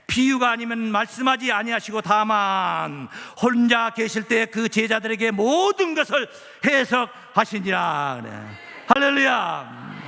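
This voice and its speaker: A high-pitched man delivers a sermon with a forceful, bright edge. He preaches emphatically, firing rhetorical questions at the congregation. His voice rings with long reverb in a church hall. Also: vocal fry. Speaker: pastor. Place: church sanctuary.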